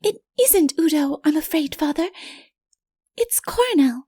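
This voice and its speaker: A woman voicing a sweet young fairy-tale princess in an audiobook, soft and breathy, with a gentle, coaxing manner. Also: high voice, lively intonation, measured pace, dry recording, clean studio sound, voice pushed up. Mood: gentle, earnest. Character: sweet, eager young princess, devoted daughter. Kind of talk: audiobook character voice.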